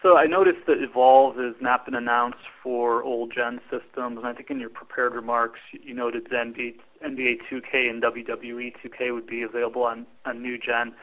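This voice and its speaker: A man's voice: mid-range voice, flat delivery, fairly quick, hardly any pauses. A man speaking as a financial analyst, asking questions on an earnings call. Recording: narrow phone line.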